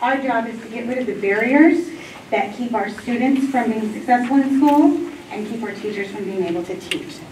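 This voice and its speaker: A woman's fairly high voice with lively intonation at a moderate pace, plus noticeable background noise and audible room echo. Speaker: school program coordinator. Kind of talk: presentation to school board. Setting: public meeting.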